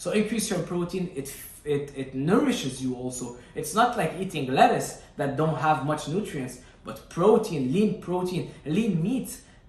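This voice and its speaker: Amid noticeable background noise and audible room echo, a man with a high pitch speaks at a fairly slow pace with lively intonation. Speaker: fitness youtuber. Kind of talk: casual tutorial to camera.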